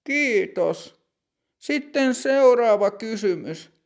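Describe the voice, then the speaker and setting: A man voicing a strict older female bank clerk in a story lesson, speaking slowly and formally with a gravelly edge. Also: sits high, expressive, voice pushed up. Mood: stern. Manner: slow, precise, formal.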